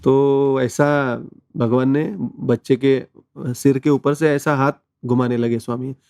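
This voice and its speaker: Earnest man with a mellow voice. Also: medium pitch, flat delivery, slow pace, clear, resonant tone, no echo, studio quality. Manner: earnest storytelling, mixes in English words. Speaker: interview guest, devotee. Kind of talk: conversational personal testimony.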